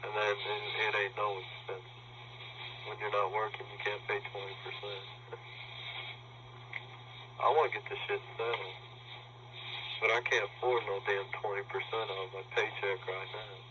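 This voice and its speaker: Man, deep voice, flat monotone, blunt and defensive, muffled hissy phone recording. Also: normal speed, long pauses. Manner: defensive, blunt, swears casually. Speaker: tenant on a phone call. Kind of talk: tense phone conversation. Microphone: telephone.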